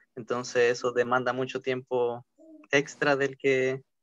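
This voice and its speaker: At a fairly slow pace, a man with a plain, everyday voice speaks at medium pitch with fairly even intonation, the sound dry and close with no echo. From Venezuela. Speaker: student. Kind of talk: class self-introduction.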